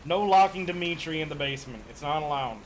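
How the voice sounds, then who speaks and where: A man's voice: a little high, animated, fast, low-quality recording. A man running a tabletop game as game master, narrating and joking with the players. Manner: jokey, teasing the players.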